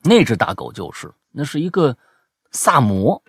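Man, casual chat host, husky, animated storytelling, dry close sound. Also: medium pitch, normal speed, no echo.

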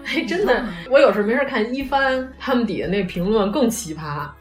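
A woman's voice: fairly high pitch, brisk. A woman with a Beijing accent chatting casually and teasingly as a podcast host. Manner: animated, teasing. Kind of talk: casual chat. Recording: roomy echo, faint music behind.

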